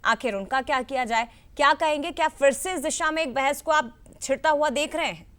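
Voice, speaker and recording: High-pitched woman news anchor. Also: fairly quick, a bit bright. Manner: questioning, presses guests.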